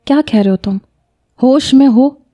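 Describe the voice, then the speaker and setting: A woman's voice: medium pitch, animated, muffled recording. A woman voicing a stern middle-aged mother who scolds firmly. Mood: scolding.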